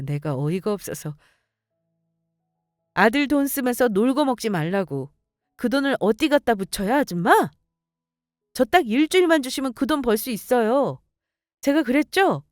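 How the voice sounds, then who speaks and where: Give me a sharp-tongued young woman narrating a story-radio reading, with lively pitch. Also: normal speed, no echo, clean studio sound, faint music behind. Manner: sharp, scolding.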